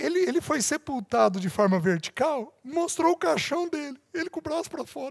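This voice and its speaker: Intonation is lively in this man's speech. No echo is heard, and the sound stays dry and close. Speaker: preacher. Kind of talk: sermon.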